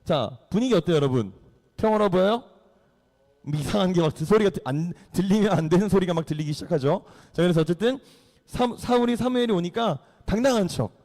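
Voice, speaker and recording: A man preaching a lively Bible story sermon to young listeners, acting out the characters and quizzing his audience. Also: high voice, quick pace. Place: church hall. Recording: long hall reverb.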